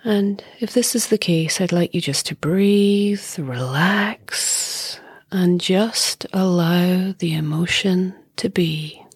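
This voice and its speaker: A woman meditation teacher leading a guided meditation in a soft, breathy voice that often drops near a whisper, calm, soothing and unhurried. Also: fairly low pitch, no room sound.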